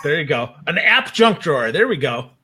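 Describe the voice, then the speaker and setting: Male talk show guest, forceful bright tone, slightly high voice, blunt and animated in casual conversation. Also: moderate pace, breathy edge. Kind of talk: casual opinionated chat.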